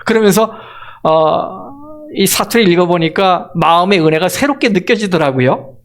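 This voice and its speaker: A man from Seoul, a pastor, preaching a sermon and asking the congregation question after question, slowing down to stress key words. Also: high-pitched, lively intonation. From Seoul, South Korea. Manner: asks the congregation rhetorical questions.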